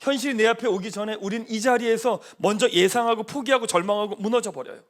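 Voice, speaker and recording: A male pastor preaching a sermon in a church. He coaxes the congregation with call-and-response and drops to a soft, hushed voice when he speaks God's promises. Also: high-pitched, fast. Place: church sanctuary.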